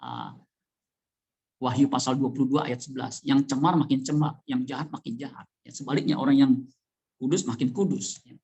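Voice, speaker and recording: Male pastor, conversational sermon in church, animated delivery that leans on sudden rises in pitch. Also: normal speed, creaky. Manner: animated, with wide swings of pitch and loudness; conversational, addressing the congregation directly.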